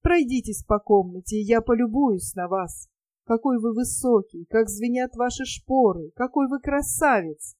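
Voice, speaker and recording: A woman's voice: on the high side, expressive, measured pace, a little mellow, dry recording. A woman voicing an adoring, naive young female gypsy dancer in an audiobook, with a pleading, girlish, breathless manner.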